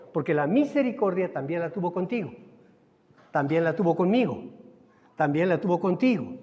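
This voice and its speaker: A man with a Colombian Spanish accent preaching a sermon as pastor, stretching some words slowly and then rising in sudden emphasis. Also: on the high side. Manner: preaching with dramatic slowdowns and sudden rises. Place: church hall. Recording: dull recording in a reverberant hall.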